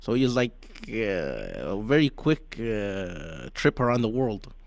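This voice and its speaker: A man's voice: on the low side, very animated, slow, gravelly, dry recording. A male radio host running an interview, upbeat and teasing as he asks his questions.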